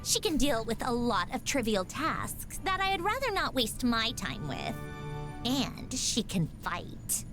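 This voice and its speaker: High-pitched, haughty young woman inventor. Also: wildly swooping pitch, slow, music in the background, heavily acted. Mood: matter-of-fact, superior. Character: haughty, brainy young female inventor, coolly superior. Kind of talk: scripted video game character voice lines.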